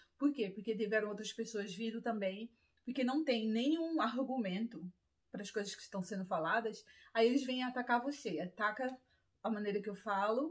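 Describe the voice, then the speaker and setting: A woman's fairly high, somewhat breathy voice at a moderate pace, with ordinary pitch variation and big swings in loudness. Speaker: Bible teacher. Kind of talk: casual video monologue. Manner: halting, disfluent.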